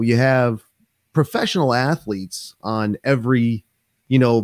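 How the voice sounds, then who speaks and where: A man's voice: medium pitch, no echo. A man in his thirties hosts a casual podcast interview, rambling and restarting as he goes. He talks into a desk microphone in a small home office, and the sound is dry and close. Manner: rambling, animated, lots of fillers and restarts. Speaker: podcast host. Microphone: desk microphone on stand.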